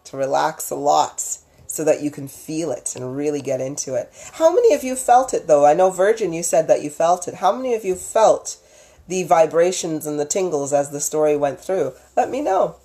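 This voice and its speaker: A woman's voice: low-pitched, very animated, moderate pace, warm tone. Chatty, gushing woman livestreamer. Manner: gushing, informal, uses endearments like sweetie. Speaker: livestream host, storyteller and psychic healer. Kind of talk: casual livestream chat with viewers.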